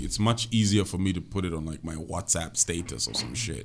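A man with vocal fry speaks at a fairly quick pace with ordinary pitch variation. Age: 20s. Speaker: podcast co-host. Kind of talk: casual chat.

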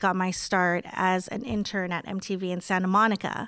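Medium-pitched female speech at a moderate pace, with fairly even intonation on a very clean recording with a silent background. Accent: Californian. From Southern California (Diamond Bar). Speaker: TV network diversity executive. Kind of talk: casual interview.

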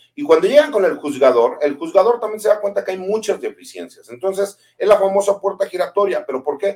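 His voice sits high for a man, and the man's pitch swings very widely. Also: fairly quick pace, hardly any pauses. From Mexico, raised in Jalisco. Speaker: lawyer, security expert. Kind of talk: panel discussion.

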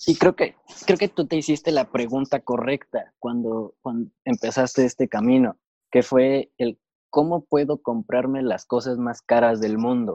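A man speaks fairly slowly with a dark, mellow tone at a medium pitch and ordinary pitch variation, the sound dry and close with no echo. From Mexico, Querétaro. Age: 20s. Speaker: podcast co-host, marketing entrepreneur. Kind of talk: casual chat. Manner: halting, many repetitions.

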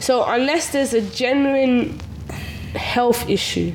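An animated tone over noticeable background noise. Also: woman. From Portugal. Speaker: podcast co-host. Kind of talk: casual chat. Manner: animated, laughing.

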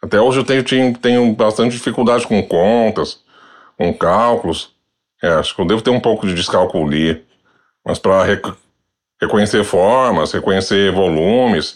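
A man with a fairly low pitch speaks at a moderate pace, leaving long, frequent pauses. His loudness stays very even, his pitch varies in an ordinary way, and the background is quiet. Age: 40s. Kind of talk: interview.

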